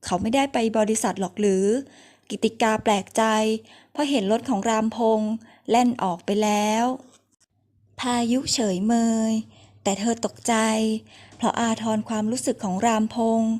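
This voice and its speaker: A woman's voice: fairly high pitch, moderate pace, a little mellow. A woman narrating a romance novel in an audiobook, reading steadily.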